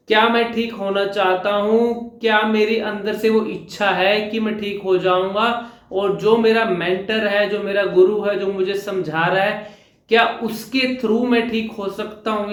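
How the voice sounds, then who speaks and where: A male speaking coach with a high-pitched voice gives viewers a reassuring vlog lesson, repeating phrases and mixing in English words. The recording is reverberant.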